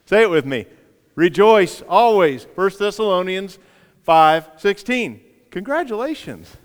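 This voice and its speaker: A man preaching in a church hall, his smooth, resonant voice trailing a long reverb. He leads the congregation in call-and-response with a lively delivery and playful asides. His voice sits a touch higher than most men's. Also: unhurried. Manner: playful asides and light humor. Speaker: pastor. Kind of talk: sermon. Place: church sanctuary.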